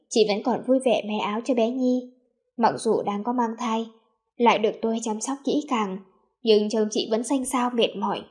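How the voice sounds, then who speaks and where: A woman narrating a first-person story in a soft, reflective way. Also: a little high.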